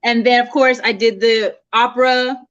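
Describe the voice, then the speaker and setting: A woman's voice: a little high, steady tone, moderate pace, a bit bright, highs cut off. A woman singer being interviewed, chatting casually and laughing often.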